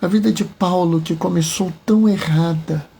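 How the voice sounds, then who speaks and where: A man, a deacon giving a homily with slow, deliberate phrasing and emphatic pauses. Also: high voice, fairly even intonation, gravelly, mellow, slightly rough.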